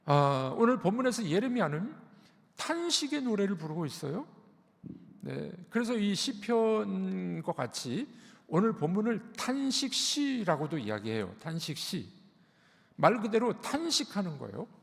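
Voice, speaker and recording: Lively, gravelly man preaching a sermon. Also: sits high, unhurried, long reverb tail. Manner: explains patiently, repeats key words. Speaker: pastor. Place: church sanctuary.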